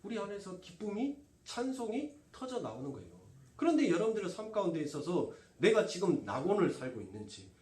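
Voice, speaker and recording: A man's voice: sits high, sing-song, fairly quick, hardly any pauses, a little mellow. A man preaching a sermon, asking the congregation questions and answering them himself. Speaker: pastor. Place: church sanctuary. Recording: roomy church from a distance.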